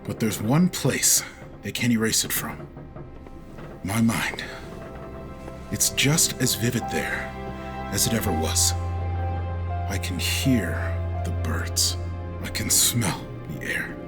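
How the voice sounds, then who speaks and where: A man's voice: lowish voice, animated, slow pace, pauses often, over loud music. An actor playing a homesick spaceship captain in a sci-fi audio drama, earnest and fiery, full of longing for his lost world. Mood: earnest, wistful. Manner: emotive, swinging from hushed pleading to outbursts.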